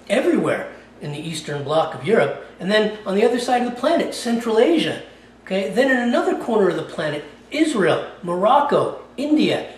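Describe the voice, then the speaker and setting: Chatty cooking host in an echoey kitchen. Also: male voice, a little high, a little hiss or hum. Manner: chatty, keeps tagging lines with "okay?". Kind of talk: casual cooking demonstration. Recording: echoey room, mic a bit far off.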